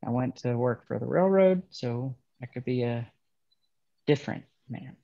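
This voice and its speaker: A man playing a bitter young railroad worker in a dramatic table read, speaking in a halting, understated way. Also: medium pitch, creaky, muffled recording. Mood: bitter, subdued. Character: bitter young railroad man estranged from his ruthless father.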